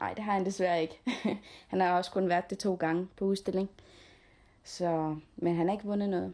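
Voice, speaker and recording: Against a quiet background, a woman speaks at medium pitch in a dark, mellow tone with monotone, flat intonation and long, frequent pauses. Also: moderate pace. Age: 20s. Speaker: resident looking for lost cat. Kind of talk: interview.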